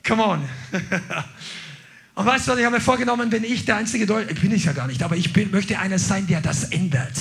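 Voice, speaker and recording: A man preaching a sermon, energetic and exclaiming to his congregation. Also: high voice, normal speed, gravelly. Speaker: pastor.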